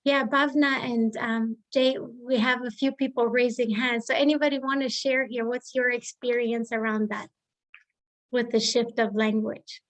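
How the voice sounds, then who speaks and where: A woman's voice: fairly high pitch, little pitch movement, moderate pace, rough recording. A woman coach trainer facilitating a group discussion and inviting people to share.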